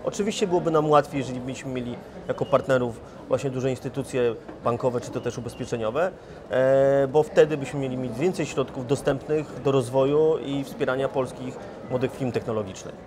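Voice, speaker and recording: A man in his forties, a firm's chief executive, answering interview questions in a measured way, often restarting his sentences. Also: medium pitch. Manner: measured, with frequent restarts and fillers. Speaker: investment firm chief executive. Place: conference hall in front of a sponsor wall. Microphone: lapel mic. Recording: conference crowd noise. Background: crowd chatter.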